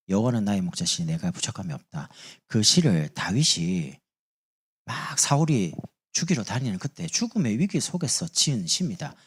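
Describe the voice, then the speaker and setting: A man's voice: fairly low pitch, slightly rough. Emphatic Gyeongsang-accented male pastor. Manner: emphatic, rhetorical questions. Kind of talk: sermon.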